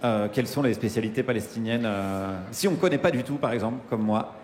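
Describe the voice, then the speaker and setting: A man's voice: medium pitch, a little fast. A man hosting a live radio interview on a festival stage, asking loose, chatty questions with restarts. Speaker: radio show host. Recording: echoey live stage with loud crowd noise. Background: crowd and ambience.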